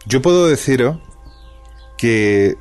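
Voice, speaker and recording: A man hosting a radio interview, asking measured questions with hesitant fillers. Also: mid-range voice, lively intonation, darkish tone, soft background music.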